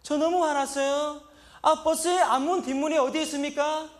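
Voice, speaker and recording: High-voiced naive migrant worker Blanca. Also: male voice, fairly even intonation, moderate pace. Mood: plaintive. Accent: Sri Lankan. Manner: broken, simple Korean sentences; shouted indignant catchphrase. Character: naive young male migrant worker, earnest, put-upon. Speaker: comedian. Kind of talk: stand-up comedy monologue.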